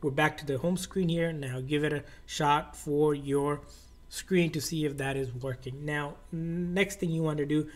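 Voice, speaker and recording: A man's voice: on the high side, fairly even intonation, unhurried. A man narrating a step-by-step tech tutorial in an informal, instructional way, often repeating his phrasing.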